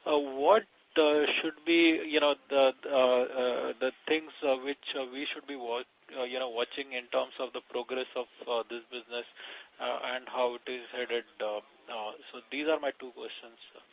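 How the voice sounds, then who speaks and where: A male financial analyst asks questions over a muffled phone line. His voice sits at a middle pitch, and he speaks hesitantly, in halting and broken phrases. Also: steady tone, vocal fry. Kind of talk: asking questions on an investor call.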